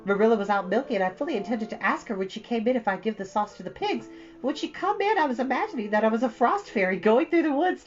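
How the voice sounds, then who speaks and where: A woman's voice: fairly high pitch, pitched above the performer's own voice. A woman puts on a chatty young girl with a head full of fancies, spilling dramatic tales in long breathless runs. The voice rises and falls a lot. It is a slightly dull storybook recording with faint music in the background. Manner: breathless, run-on storytelling, theatrical.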